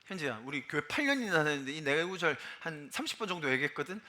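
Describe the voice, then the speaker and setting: Bright-voiced, lively preaching man. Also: fairly high pitch, fast. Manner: animated preaching, swinging between loud declarations and hushed asides; addresses the congregation directly and quizzes them. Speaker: pastor. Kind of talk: sermon. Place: church sanctuary.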